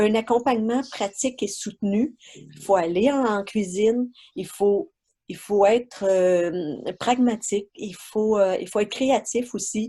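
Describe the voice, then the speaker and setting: A woman with a Quebec accent, at a fairly high pitch and a very slow pace, dark and mellow in tone, with ordinary pitch variation and big swings in loudness over a quiet background. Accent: Québécois French. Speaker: regional waste management director. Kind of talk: webinar presentation. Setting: video call. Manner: hesitant, many fillers.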